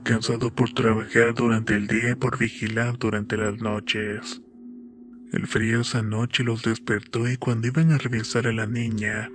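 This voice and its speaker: A man reading a horror story as scripted narration in a steady storytelling manner. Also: medium pitch. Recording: clear ambient background noise.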